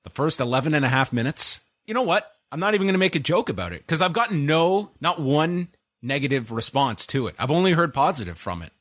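A man's voice: a little high, big pitch swings, fast, fairly bright tone, no room sound. A man from Canada co-hosting a podcast, chatting casually with dry, sarcastic humor. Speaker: podcast co-host. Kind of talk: casual chat.

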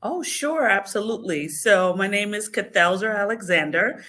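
A woman from the Bahamas, a podcast guest, answering interview questions in a measured, explanatory way with frequent fillers. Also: medium pitch, animated, sharp tone.

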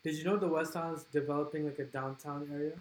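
A man's voice: on the high side, fairly even intonation, fast, poor audio. A man, a podcast co-host chatting casually in a laid-back, slangy way and swearing. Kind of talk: casual chat.

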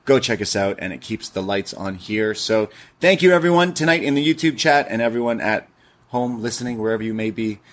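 A man's voice: lowish voice, brisk. A man in his thirties co-hosting a podcast, casually reading listener messages aloud and laughing easily. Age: 30s. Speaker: podcast co-host.

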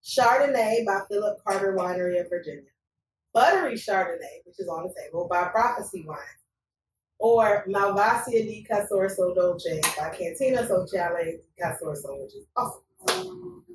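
A woman's voice: medium pitch, lively intonation, normal speed. Casual woman co-host, roomy distant sound. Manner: runs a playful quiz, laughs often. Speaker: podcast co-host. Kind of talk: casual chat over wine. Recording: roomy, distant mic, faint noise.

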